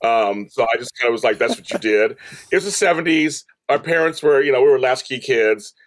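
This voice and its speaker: A man in his fifties with an American accent talks as an interview guest. His delivery is loose, joking and conversational, with very lively intonation and a dry, close sound. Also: mid-range voice, brisk, no echo. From Los Angeles, United States. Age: 50s. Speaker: podcast guest. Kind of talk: casual interview chat.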